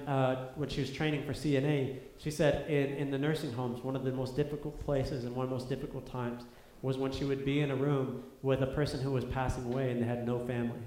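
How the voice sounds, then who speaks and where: In an echoey church sanctuary, a pastor preaches a sermon in a medium-pitched, slightly mellow voice. He is earnest, repeating phrases as he builds to emphatic peaks.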